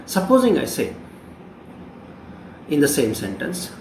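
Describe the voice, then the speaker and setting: Indian english prof in his 50s lecturing, voice a bit high and bouncy, roomy echo, mic kinda far. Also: huge pitch swings, a little slow, gravelly, a little mellow, slight background noise. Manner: explanatory, repeats key phrases, asks rhetorical questions. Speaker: journalism professor. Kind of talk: classroom lecture.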